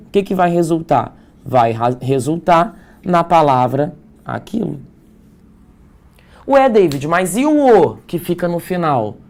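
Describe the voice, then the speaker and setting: A man with a Brazilian accent teaching a live exam-prep grammar class, explaining step by step and checking in with his students. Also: a little high. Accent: Brazilian Portuguese. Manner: explanatory, frequent check-ins like "certo?" and "tá?".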